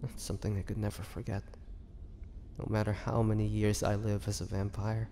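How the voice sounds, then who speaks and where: A man playing a weary, bitter young half-vampire prisoner in a dramatic audio roleplay, speaking haltingly and sorrowfully. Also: lowish voice, little pitch movement, warm tone, natural voice. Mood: haunted, pained. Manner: slow, halting, sorrowful delivery with sighs and pauses. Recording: long hall reverb, faint noise.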